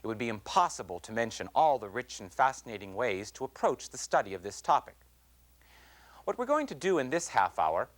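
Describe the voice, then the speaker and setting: A man hosting an educational program, narrating from a script in an articulate, explanatory way with measured phrasing. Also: mid-range voice, fairly bright tone. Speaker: host and presenter of an educational TV program.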